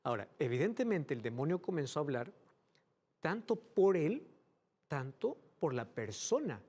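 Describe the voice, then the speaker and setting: A male pastor preaching a sermon in an animated way, asking many rhetorical questions. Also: on the high side, breathy edge.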